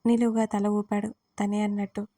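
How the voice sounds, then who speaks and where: A woman narrating an audio drama in a calm, measured way. Her voice is mellow and dark, and her pitch stays flat and even. She reads steadily from a script. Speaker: storyteller.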